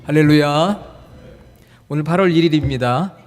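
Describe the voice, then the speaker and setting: A man's voice: fairly high pitch, moderate pace. A male pastor giving a sermon in a church, friendly and joking as he quizzes the congregation. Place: church sanctuary. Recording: long hall reverb.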